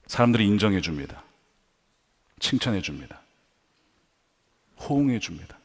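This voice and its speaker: A man preaches a sermon from the pulpit of a church, his voice swinging widely between soft low lines and loud high ones. He asks the congregation questions and acts out pleading prayers. The sound carries a long reverb from the church hall. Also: very animated, moderate pace. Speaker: pastor. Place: church sanctuary.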